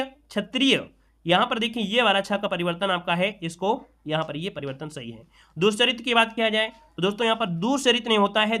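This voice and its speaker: Bright high-voiced man teaching spelling. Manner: repeats each word several times, calls listeners friends; asks and answers his own questions. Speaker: Hindi grammar teacher. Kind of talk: exam-prep spelling lesson.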